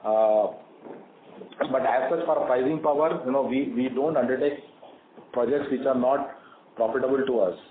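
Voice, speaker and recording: Indian-accented executive on an echoey phone line. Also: male voice, medium pitch, normal speed. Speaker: company executive answering investor questions. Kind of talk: earnings call answers. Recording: phone-like conference line, echoey, clearly noisy.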